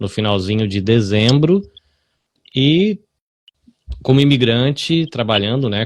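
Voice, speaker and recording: Lively intonation from a man at medium pitch, fairly slow pace and long, frequent pauses. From Brazil, Salvador (Bahia). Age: 40s. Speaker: podcaster and communicator in immigrant community. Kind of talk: interview.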